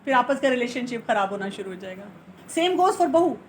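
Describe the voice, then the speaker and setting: Woman with a high voice, earnest counselor giving advice to a listener, answers her own questions, faint hiss behind her. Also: sing-song. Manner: mixes English phrases into her talk; earnest and instructive. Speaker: family counselor. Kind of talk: advice talk.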